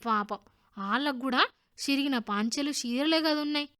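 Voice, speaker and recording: A woman voicing an excitable young village boy with a Telangana accent, calling out eagerly in a children's radio story. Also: high-pitched, normal speed. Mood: dreamy. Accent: Telangana Telugu. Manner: eager, loud calls.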